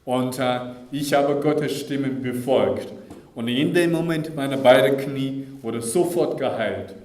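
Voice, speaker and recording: A man interpreting a sermon live, measured and earnest, sometimes restarting a phrase. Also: mid-range voice, a little mellow, reverberant. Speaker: German interpreter. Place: school assembly hall.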